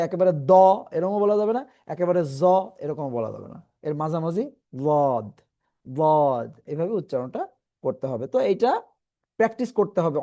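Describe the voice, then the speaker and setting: A man teaching Quran reading in an online class, patiently explaining and slowly repeating letter sounds for his students. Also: a little high, warm tone.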